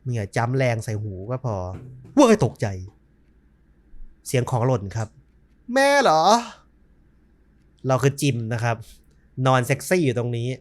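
A man's voice: mid-range voice, fairly even intonation, normal speed, long pauses, darkish tone. A man giving casual, jokey let's-play commentary on a horror game, swearing and muttering to himself. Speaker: gaming streamer.

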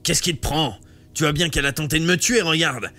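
A hostile teenage boy, as a reader puts him on, barks his lines in a loud, rough voice, slightly raised above the reader's usual pitch. He sounds blunt and distrustful throughout, in an audiobook reading. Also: a little fast. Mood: aggressive. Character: aggressive suspicious teenage boy with a gun.

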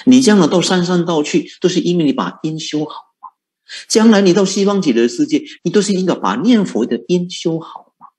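Animated monk preaching. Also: male voice, fairly high pitch. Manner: animated, rhetorical questions, frequent chuckles and drawn-out particles. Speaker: Buddhist monk teacher. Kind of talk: Buddhist dharma talk.

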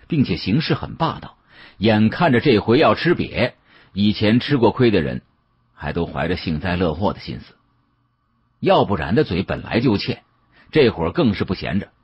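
A man's voice: on the low side, sing-song, normal speed, breathy edge, lo-fi sound. A man narrating an audiobook as a dramatic storyteller.

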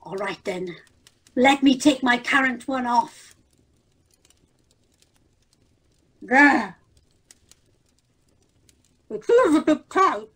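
A woman's voice: high voice, lively intonation, slow, pauses often, a bit bright, breathy edge, full character voice. A woman playing a deferential but touchy male royal servant in a comic pantomime. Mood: shy, tender. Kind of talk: comic audio pantomime acting.

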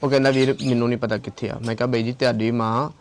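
A man's voice: medium pitch, level tone, very fast. A man from Tarn Taran in Punjab, an ashram caretaker who talks insistently, repeating his points and quoting phone calls. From Tarn Taran district, Punjab. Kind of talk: confrontational on-location video.

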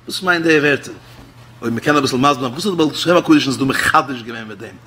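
A man, a rabbi with a Hasidic Yiddish accent, giving a sermon that swings between loud exclamations and low murmured asides. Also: fast talker, a little hiss or hum.

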